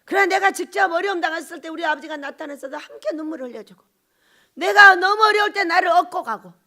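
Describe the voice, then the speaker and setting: A woman pastor giving an emotional sermon, asking her congregation questions and moving between shouts and hushed whispers. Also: very high voice, quick pace. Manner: asks the congregation rhetorical questions.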